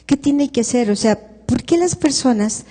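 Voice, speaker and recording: Calm Mexican woman grief counselor. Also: high voice, normal speed. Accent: Mexican Spanish. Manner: calm, instructive, asks rhetorical questions. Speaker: grief counselor leading a workshop. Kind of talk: counseling talk to an audience. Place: large hall at a live workshop. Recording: live stream, long hall reverb.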